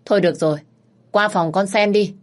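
A stern, harsh young master barking orders to his household, as a woman narrator puts him on. Storybook delivery, loud and commanding, raised a little above her usual low voice. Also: steady tone, brisk, lightly acted. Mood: cold.

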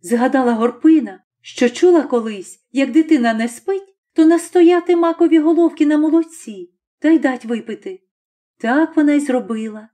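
Woman narrator, high voice, slow mournful storytelling, mellow tone. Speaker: audiobook reader. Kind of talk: scripted narration of a classic story.

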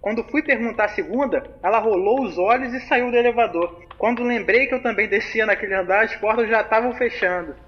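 A man's voice: high voice, brisk, few pauses, close to an everyday voice. An actor playing a young man, casually telling a spooky story over a phone call in slangy talk. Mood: chatty. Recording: muffled phone-call recording, faint hiss.

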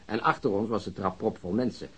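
A man's voice: fairly low pitch, fairly quick, a bit bright, husky. An actor playing a talkative, colloquial policeman telling an exasperated anecdote in a radio drama. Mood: wry, relishing. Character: chatty, food-loving policeman recounting a botched raid. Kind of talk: Dutch radio drama acting, conversational storytelling.

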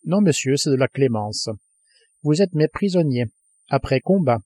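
A man reading the lines of a stern, cold male submarine commander in a grave, measured audiobook voice. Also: mid-range voice, lively intonation, dark tone, dry recording, close to an everyday voice.

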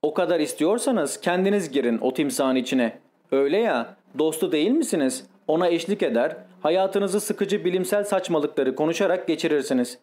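Man reading a capricious young wife, exclaiming, self-pitying, slightly high voice, audiobook. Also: expressive, brisk, darkish tone, close to an everyday voice. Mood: petulant.

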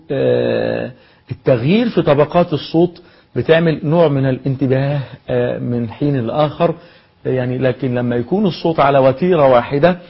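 Husky Egyptian man teaching. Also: medium pitch. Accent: Egyptian Arabic. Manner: lively lecturing, dictating points, rhetorical questions. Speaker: Quran memorization teacher. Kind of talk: spoken lesson. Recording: dull lo-fi recording.

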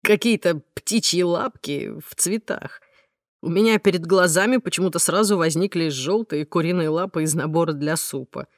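Brief: woman playing a gentle, unhurried man speaking low and quiet. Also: no echo, clean studio sound, close to an everyday voice. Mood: soothing. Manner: soft, low, steady. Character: calm, gentle man soothing a friend.

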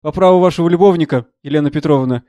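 A man's voice: on the high side, racing, warm tone, dry recording, highs cut off, close to an everyday voice. A man reading a sneering bully of a financier. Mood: contemptuous. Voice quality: sneering, scornful. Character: rude domineering middle-aged man, blustering financier.

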